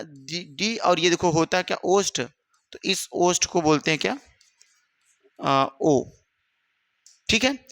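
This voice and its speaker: A male teacher leads an exam-prep grammar lesson with a high, bright voice. He fires questions at his students, answers them himself and keeps calling them "my brother." The sound is close and dry. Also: no echo.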